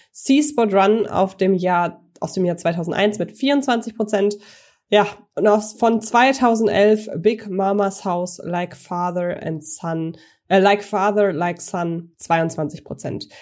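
A woman co-hosts a film podcast in a relaxed conversation. She talks in a chatty way and reads out ratings as she presents her picks. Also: lowish voice. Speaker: podcast co-host. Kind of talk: casual film chat.

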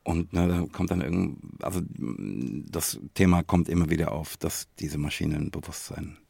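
A man's voice: rumbling low, moderate pace, gravelly, darkish tone, breathy edge, no echo. A man chatting casually as a podcast co-host, laid-back and colloquial, often tagging phrases with a questioning filler.

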